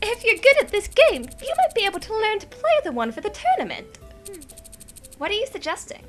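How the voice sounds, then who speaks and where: A woman voicing a sarcastic male moose with a high, British-accented voice. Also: huge pitch swings, fairly quick, fairly bright tone, faint music behind, full character voice. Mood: scheming.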